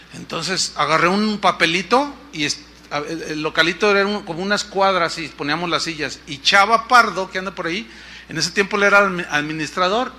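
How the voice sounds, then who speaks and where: A man's voice: sits high, bright, forceful tone. A man preaching as a pastor, telling a story in a sermon and acting out the voices of the people in it. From Mexico.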